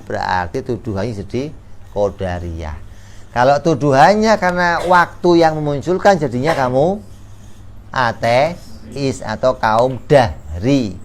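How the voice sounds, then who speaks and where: Guy with teaching a religion class, jokey, acts out back-and-forths, faint hiss behind. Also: medium pitch. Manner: lively, joking, slangy, acts out dialogues. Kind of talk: casual religious study lesson. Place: study gathering room.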